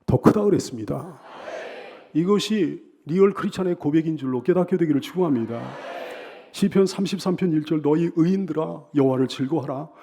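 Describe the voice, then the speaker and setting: A man's voice: on the high side, a little fast, mellow, slight background noise. A middle-aged male pastor preaching a sermon, restating his points and building to emphatic bursts. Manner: repeats and restates phrases.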